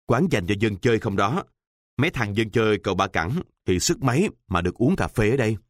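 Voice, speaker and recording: A cocky, streetwise teenage boy who mocks his friend in slang, as a man voices him. The tone is low and dry, read close to the mic. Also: lively intonation, brisk, no echo. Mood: teasing. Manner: mocking, full of slang.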